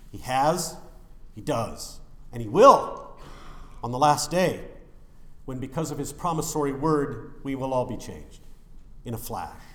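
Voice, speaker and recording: A male pastor delivers an animated sermon in a church sanctuary, and every phrase rings with a roomy, cathedral-like echo. His pitch rises and falls widely as he moves from ringing declarations to hushed asides. His voice sits in an ordinary middle range for a man. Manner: animated, emphatic preaching with sudden drops to quiet.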